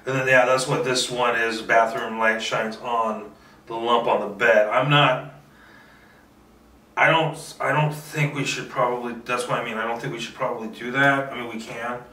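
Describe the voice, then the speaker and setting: A man's voice: medium pitch, fairly even intonation, moderate pace, sharp tone. A man thinking aloud in a casual, rambling solo monologue, playfully boastful and talking to himself with some swearing. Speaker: filmmaker doing a solo table read. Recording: echoey room, distant microphone.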